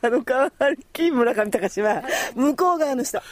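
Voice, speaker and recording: A woman co-hosting a podcast in casual chat, agreeable and quick to laugh along. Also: high-pitched, animated.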